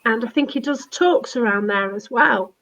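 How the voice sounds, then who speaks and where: A woman with a fairly high voice hosts a casual live stream. She is chatty and enthusiastic, dropping in tag questions as she takes viewer questions. The audio is somewhat muffled and lo-fi. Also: normal speed, fairly bright tone. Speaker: host taking viewer questions. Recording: dull, lo-fi audio.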